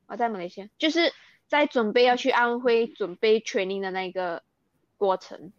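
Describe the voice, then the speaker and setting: A woman's voice: fairly high pitch, moderate pace, dry recording, dull audio. A young Malaysian woman speaking Mandarin with a Malaysian accent, earnestly recounting things in an interview and mixing in English words. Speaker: interview guest, athlete. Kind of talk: candid interview.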